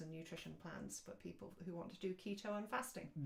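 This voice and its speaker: A woman speaks with a British accent at a moderate pace, her pitch fairly low with ordinary variation. Noticeable background noise runs underneath. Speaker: health and keto channel co-host, nutrition coach. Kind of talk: casual live stream chat. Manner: loud.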